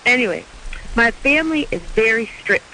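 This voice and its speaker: A woman's voice: on the high side, expressive, moderate pace, pushed and bright, slight background noise, low-quality recording. Frank, chatty female caller from Iraq.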